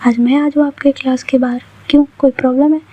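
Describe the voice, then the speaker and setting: A woman's voice: high-pitched, little pitch movement, quick pace, no room sound. A woman voicing a young female student who is chatty, defensive and evasive. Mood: plain. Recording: dull lo-fi recording.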